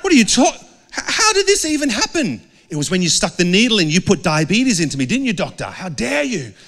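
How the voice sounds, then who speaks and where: A man's voice: high voice, big pitch swings, brisk, a bit bright, pitched above the performer's own voice, full character voice. A man voicing an indignant male patient who shrilly accuses his doctor. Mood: outraged. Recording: long hall reverb.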